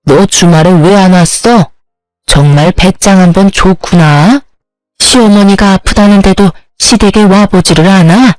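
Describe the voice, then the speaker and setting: A woman's voice: medium pitch, measured pace, a little mellow, dry recording, soft background music, lightly acted. Woman doing a harsh scolding older mother-in-law. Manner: berating, insulting, accusatory.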